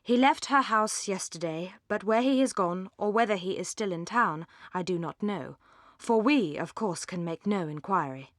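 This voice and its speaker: A pompous English gentleman of a classic novel, acted out by a woman narrator. He holds forth solemnly and at length, very pleased with himself, in a close, dry audiobook sound. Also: medium pitch, moderate pace, no room sound, close to an everyday voice. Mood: pompous, indignant. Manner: pompous, solemn, long-winded. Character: pompous, solemn, self-satisfied gentleman brother. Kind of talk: audiobook character dialogue.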